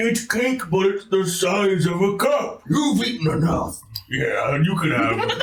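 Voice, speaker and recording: A man adopts a put-on character voice, pitching it high. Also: fairly slow pace. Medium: actual play. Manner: teasing.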